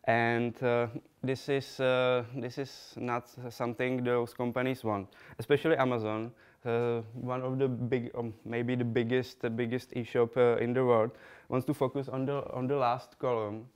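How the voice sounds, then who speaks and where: Young Czech man giving a halting talk. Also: mid-range voice, flat delivery, smooth. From Czech Republic. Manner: halting, many fillers and restarts. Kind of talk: conference talk with slides. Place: lecture room, indoors.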